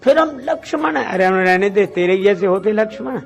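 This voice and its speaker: A man with a high voice delivers a Hindu devotional sermon in a storyteller's style. He asks rhetorical questions, dramatizes dialogue and recites lines of scripture. Music plays faintly behind him. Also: animated, normal speed, creaky, lo-fi sound. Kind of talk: devotional discourse retelling Ramayana episodes.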